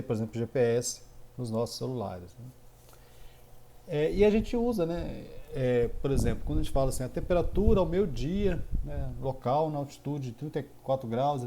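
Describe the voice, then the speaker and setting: Brazilian mineiro male professor, mid-pitched, rambling filler-laden lecture delivery, noisy recording. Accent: Brazilian Portuguese, mineiro. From Minas Gerais, Brazil. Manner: filler-heavy, frequent "né", loose explanatory pacing. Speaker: university computing professor. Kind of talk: recorded online course lecture.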